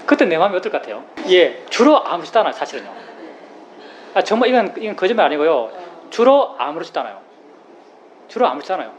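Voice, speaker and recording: A Buddhist monk giving a plain-spoken dharma talk, who repeats key phrases and explains with everyday examples. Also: male voice, high voice, big pitch swings, fast talker. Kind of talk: dharma talk to a meditation group. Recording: slightly dull recording with faint room noise.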